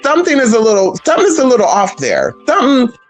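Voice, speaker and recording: A trans woman vlogging a blunt, profane, sassy rant in an emphatic, animated way. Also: fairly high pitch, fast talker, faint music behind. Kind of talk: casual vlog rant.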